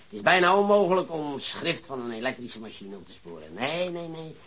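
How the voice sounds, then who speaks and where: An actor playing an excitable, gloating police investigator in a radio drama, exclaiming and repeating his words. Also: fairly high pitch, a little fast. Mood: delighted, then frustrated. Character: excitable, gloating male police investigator eager for a big catch. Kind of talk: Dutch radio drama acting.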